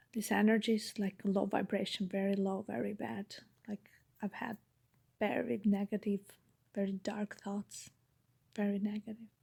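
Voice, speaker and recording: Soft-spoken and somewhat breathy, a woman with a medium pitch and dark, mellow tone talks at a moderate pace with fairly even intonation and long, frequent pauses, in a dry, close sound with no echo. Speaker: tarot reader. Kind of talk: tarot reading monologue. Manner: halting.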